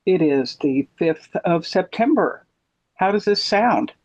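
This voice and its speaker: A woman's voice: on the low side, lively intonation, slow pace, a little mellow, highs cut off. A woman hosting a podcast in a casual, conversational style of chat. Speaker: podcast host.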